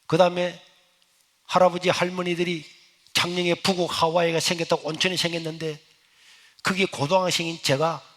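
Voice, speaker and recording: Animated Gyeongsang preacher in a hall. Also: male voice, fairly high pitch. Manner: animated, storytelling. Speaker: pastor. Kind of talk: storytelling sermon. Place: church sanctuary. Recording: echoey church hall.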